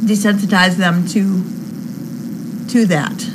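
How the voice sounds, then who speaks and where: Noticeable background noise under fairly even intonation. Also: woman. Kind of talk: informal talk to a group. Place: office. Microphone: camera far.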